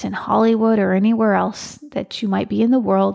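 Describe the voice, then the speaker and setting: A woman talks at a fairly quick pace at a fairly high pitch. Her tone is relaxed, dark and mellow. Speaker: health coach and podcast host. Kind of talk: solo podcast monologue. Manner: relaxed, inviting.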